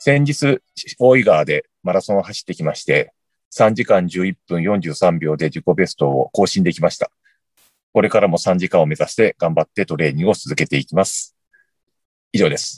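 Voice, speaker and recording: Speaking at a moderate pace, a man comes through with a dry, close sound and no echo. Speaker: tax accountant. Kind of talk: casual interview.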